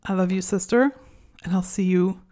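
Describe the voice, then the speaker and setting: A woman with a French accent hosting a solo podcast, talking in an earnest, deliberate and reflective way. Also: fairly low pitch, steady tone, very noisy. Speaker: podcast host.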